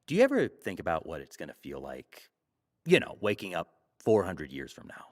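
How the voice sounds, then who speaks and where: An actor playing a glib, teasing talk show host in a sci-fi audio drama, wry, theatrical and probing. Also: male voice, sits low, huge pitch swings, a little fast, exaggerated voice. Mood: earnest.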